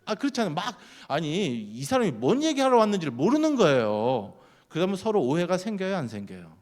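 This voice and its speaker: A man giving a sermon at a church, keeping it lively by putting questions to the congregation. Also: sits high, brisk. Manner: lively, keeps quizzing the congregation. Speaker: guest speaker at a church.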